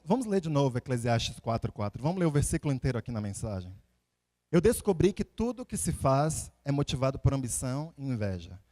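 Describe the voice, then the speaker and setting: Preaching in an animated, storytelling manner, a man from Salvador, Bahia, Brazil, speaks in a slightly high voice. His conversational sermon mixes personal anecdotes with scripture, using rhetorical questions and repeated phrases for emphasis.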